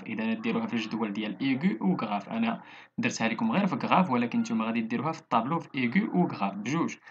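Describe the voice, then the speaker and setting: Man, Moroccan accent, teacher, quick pace, lo-fi sound. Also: mid-range voice, a little hiss or hum. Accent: Moroccan Arabic. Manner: steady explaining, spelling out word after word. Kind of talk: recorded online lesson.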